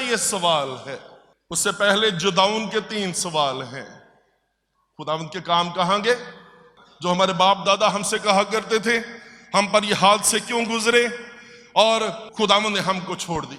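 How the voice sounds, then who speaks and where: A man's raised, projected voice comes at a high pitch with ordinary pitch variation. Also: big swings in loudness. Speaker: pastor. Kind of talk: sermon.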